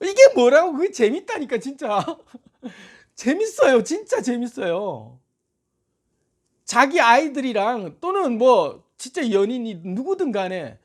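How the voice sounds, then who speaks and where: A man giving a motivational talk in a playful, animated way. His pitch swings widely up and down as he laughs often and urges listeners to try things. His tone stays warm and conversational throughout. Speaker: motivational speaker.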